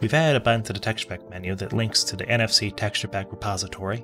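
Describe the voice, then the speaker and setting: A man's fairly low voice at a very fast pace, fairly even in intonation, with music in the background. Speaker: game mod developer. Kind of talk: software update announcement. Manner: casual.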